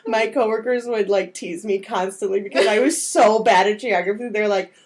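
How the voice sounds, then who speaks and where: An American woman with a medium-pitched voice, chatting as a podcast co-host. She talks casually and tends to ramble, and she is happy to make fun of herself. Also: moderate pace. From United States. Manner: rambling, self-deprecating. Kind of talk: casual movie podcast chat.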